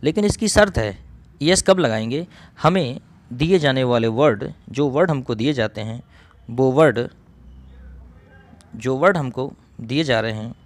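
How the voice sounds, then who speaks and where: A man's voice: mid-range voice, expressive, measured pace, long pauses. Man explaining grammar step by step. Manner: explains step by step, repeats himself, often clears his throat. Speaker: English grammar teacher. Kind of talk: recorded coaching lesson.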